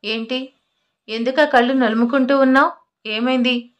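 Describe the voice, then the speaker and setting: A woman's voice: high-pitched, fairly even intonation, moderate pace, highs cut off, close to an everyday voice. A woman voicing a stubborn, hot-tempered young husband in an audio love story, scolding and then apologizing. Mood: worried.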